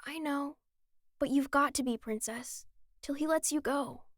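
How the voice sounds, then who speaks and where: A woman voicing a small, gentle, forgiving boy mage in an audio drama, croaking softly and haltingly as if to soothe. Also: dry recording, studio quality. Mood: sad, soothing. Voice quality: high, creaky croak. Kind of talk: dramatic fan-fiction audio acting.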